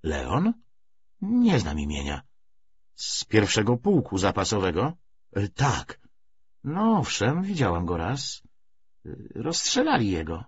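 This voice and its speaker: Man reading as a resigned, husky-voiced woman. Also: lowish voice, wildly swooping pitch, takes it slowly, long pauses, no room sound, lo-fi sound, exaggerated voice. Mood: hesitant.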